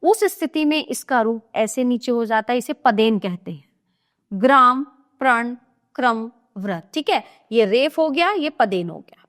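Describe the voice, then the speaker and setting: A woman teaches a grammar lesson at an unhurried, deliberate pace. Her voice sits a little high, and she spells out each example one at a time, pausing now and then to check that the listener is following. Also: a bit bright. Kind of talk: explaining a Hindi grammar lesson.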